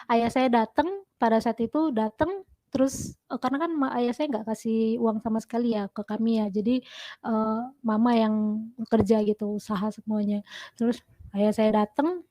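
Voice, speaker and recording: A woman in her thirties tells her personal testimony in a loose, conversational way. She is animated and fills her pauses with drawn-out "eee" sounds. Her voice sits fairly high, and the recording is dry with little room sound. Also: no room sound. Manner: animated, many fillers. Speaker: testimony guest. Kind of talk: personal testimony, casual storytelling.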